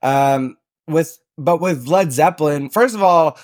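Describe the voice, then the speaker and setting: A young man from Southern Ontario, a podcast guest telling stories in a relaxed way, with plenty of ums and uhs. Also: a little high, measured pace. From Southern Ontario, Canada. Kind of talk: casual interview chat.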